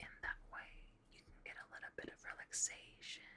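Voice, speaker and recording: A woman whispers at a moderate pace. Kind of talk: soft guided relaxation role-play. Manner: soft, slow ASMR murmur. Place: home room. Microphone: earbuds.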